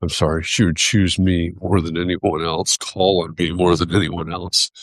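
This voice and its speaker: A man with a very low voice talks thoughtfully, pausing and restarting as he searches for the right words. He sounds like a host sharing his thoughts on a live video. The sound is close and dry, with no room echo. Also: level tone. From United States. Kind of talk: reflective casual talk.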